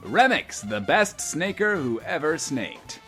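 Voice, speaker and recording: A man's voice: fairly high pitch, big pitch swings, slow, pushed and bright, soft background music, full character voice. A man playing a vain, sardonic post-apocalyptic radio host, grandiose and self-pitying, in an audio drama. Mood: showy, cocky.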